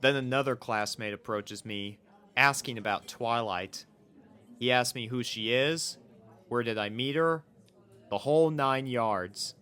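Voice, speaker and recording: A man's voice: mid-range voice, unhurried, a bit bright, clean tone. A man reading a first-person fan fiction story as its narrator.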